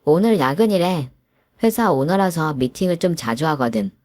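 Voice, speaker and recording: An upbeat young married daughter, reassuring and positive, as read by a woman storyteller. The voice sits very low for a woman and sounds dry and close. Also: expressive, moderate pace, a little mellow, no echo.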